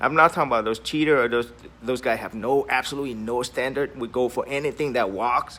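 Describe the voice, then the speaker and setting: Speaking at a very fast pace, a man has a bright, sharp tone and fairly even intonation. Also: medium pitch for a man. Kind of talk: casual talk to camera. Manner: unpolished, unscripted delivery.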